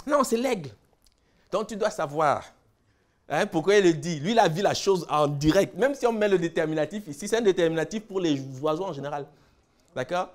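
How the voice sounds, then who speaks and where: Slightly high voiced cameroonian guy lecturing, firm and insistent. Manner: listing words slowly, then explaining emphatically. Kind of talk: lecture on word roots.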